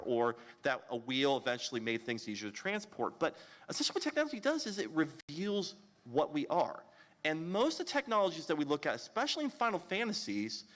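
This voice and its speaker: A man's voice: a little high, a bit bright. A man giving a panel presentation at a convention, lecturing with frequent fillers and restarts. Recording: long hall reverb.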